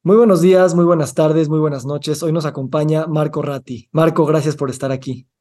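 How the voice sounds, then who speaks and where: A man's voice: on the high side, steady tone, normal speed, dark tone. A man hosting a podcast, reading the guest's introduction and asking curious, friendly questions. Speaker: podcast host.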